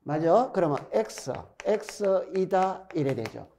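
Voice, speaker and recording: A man's voice: high voice, expressive, takes it slowly, dark tone, a little hiss or hum. A middle-aged man with a Gyeongsang accent gives an exam-prep lecture, chatty, repeating key points and quizzing his students. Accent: Gyeongsang Korean. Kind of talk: recorded classroom lecture.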